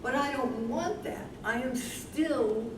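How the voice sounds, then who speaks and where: Stage drama: gentle, anxious wife female actor, unhurried, higher voice, picked up from far off. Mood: wistful, resolute. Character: anxious wife with failing memory, gentle, quietly determined. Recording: echoey distant stage recording, clear noise.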